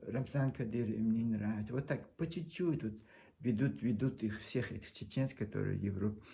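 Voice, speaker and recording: A man from Chechnya speaking Russian, which is not his first language, with a Chechen accent. He talks earnestly to his camera in a halting, pleading monologue and often restarts his words. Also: lowish voice, vocal fry, mellow. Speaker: video blogger.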